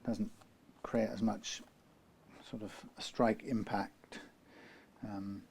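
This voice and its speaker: Rambling low-voiced British man in a workshop. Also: level tone, slow, gravelly, a little mellow, a little hiss or hum. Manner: rambling, self-correcting, dry asides. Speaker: guitar repair tutor. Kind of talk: workshop how-to narration.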